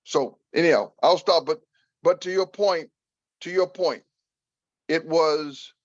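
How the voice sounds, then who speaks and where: An older American man answering an audience member at a talk, speaking deliberately and repeating phrases for emphasis. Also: fairly high pitch, no room sound, highs cut off.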